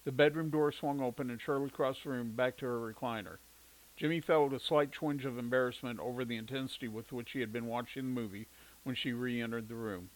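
A man narrating a story in an even, steady reading voice. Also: medium pitch, a little fast, rough recording.

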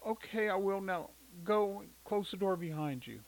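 A man's voice: high voice, animated, moderate pace, pitched above the performer's own voice, rough recording. A man voicing a weary 1970s mother, brusque but tender, in a raised, fretful voice. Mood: shaken.

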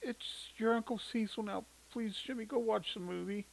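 A man's voice: high-pitched, normal speed, vocal fry, pitched above the performer's own voice, rough recording. A man voicing a weary 1970s mother, brusque but tender, in a raised, fretful voice. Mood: shaken.

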